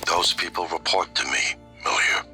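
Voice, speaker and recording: An actor playing a man in a video game who talks in hushed, confidential tones and teases his partner. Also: deep voice, normal speed, faint music behind. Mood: secretive. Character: man of authority, then a playful lover.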